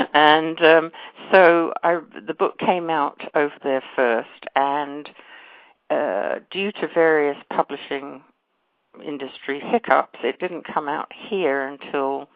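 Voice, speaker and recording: A woman from London with a faded London accent, an author talking as a guest in a phone interview, chatty and quick to correct herself. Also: sits low, steady tone, dry recording. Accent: London English, faded. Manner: chatty, self-correcting, laughs easily. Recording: dry tinny phone line.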